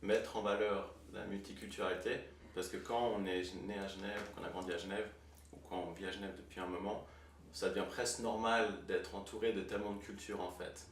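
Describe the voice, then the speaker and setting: Deep-voiced man, calm and measured. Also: recorded from a distance. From Geneva, Switzerland. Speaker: musician, guest. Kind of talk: interview answers. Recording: roomy, off-mic, light hiss.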